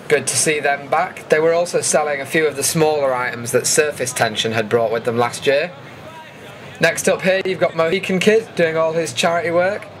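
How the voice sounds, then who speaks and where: A man's voice: fairly high pitch, fairly bright tone, slight background noise. A man with a British accent giving a chatty, informal voice-over commentary as a vlogger recapping an event. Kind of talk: casual voice-over commentary on footage.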